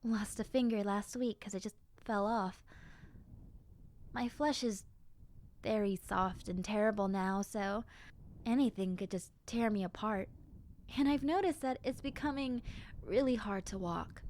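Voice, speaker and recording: A woman playing a gentle, chatty young zombie girl in a roleplay audio drama, musing conversationally to the listener. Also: medium pitch, a little slow, close to an everyday voice. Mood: chatty, reflective. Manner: soft-hearted, conversational, musing.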